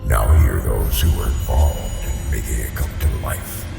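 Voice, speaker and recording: An extremely deep horror announcer voice, heavy with gravel, introduces a podcast with slow menace. It sounds distant and echoing, with loud scary music underneath. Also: male voice, heavily acted. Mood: ominous. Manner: ominous, drawn-out. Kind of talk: horror show intro narration.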